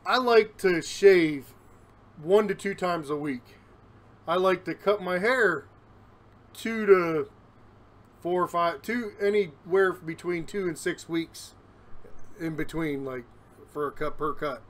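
A man's voice: sits high, slow, long pauses. Candid man vlogging at home. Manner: rambling, candid, self-deprecating. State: a little out of breath. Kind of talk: casual solo vlog. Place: his home. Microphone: phone camera, recording himself.

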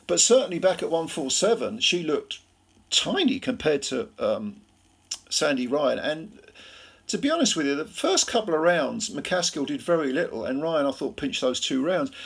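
A man's voice: fairly high pitch, sing-song, moderate pace, gravelly, breathy edge. A tired man from Britain giving a rambling, casual recap of a boxing fight late at night, full of fillers and restarts. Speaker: boxing commentator.

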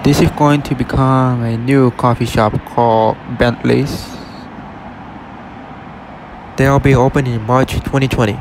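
With fairly even intonation and a slightly slow delivery, a man in a mid-range voice talks through a casual vlog outside a closed shop. He's a retail exploration vlogger holding a phone camera on a city street, offering simple, plain remarks over faint street and car noise.

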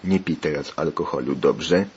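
A man's voice: very deep voice, moderate pace, darkish tone, highs cut off, a little hiss or hum. A man voicing a stern, scolding father. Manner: scolding, insistent. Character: stern worried father lecturing his son.

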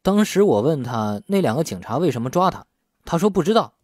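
A man's voice: fairly high pitch, big pitch swings, fairly quick, darkish tone, no room sound, clean studio sound. A man voicing a wily, defiant young male suspect who argues and feigns innocence in an audiobook. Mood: evasive. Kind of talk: audiobook character dialogue.

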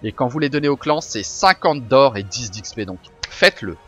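A man streaming a card-pack opening, chatting casually with his viewers, swearing and getting excited. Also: medium pitch, moderate pace, dull audio, faint music behind. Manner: excitable, swears, talks to chat. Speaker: gaming streamer. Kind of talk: casual game commentary.

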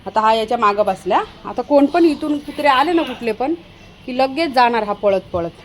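High-pitched chatty woman vlogger. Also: animated, moderate pace, slight background noise. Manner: chatty, calls out to dogs often. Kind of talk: casual home vlog talking to pets and viewers.

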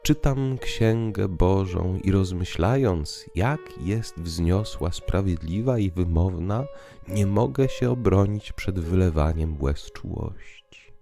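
A man's voice: sits low, animated, slow, creaky, mellow, heavily acted. A man voicing a tearful, sceptical old dervish in an audio drama, lamenting with emphasis. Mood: solemn lament. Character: weeping old sceptical dervish, male, pious then blasphemous. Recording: piano music underneath.

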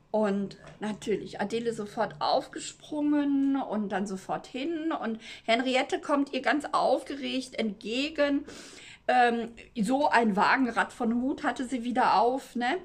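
A woman's voice: on the high side, a little slow. A woman hosting a knitting channel tells a story in a casual, rambling way. She restarts sentences often and drops in chatty asides as she goes.

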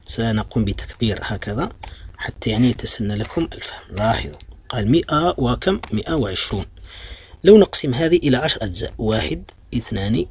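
A man from Algeria gives a blackboard-style math lesson at a quick pace in a husky, medium-pitched voice with lively intonation. Patient and repetitive, he leads students through a graph step by step, calls them "my children," and corrects himself with lots of fillers.

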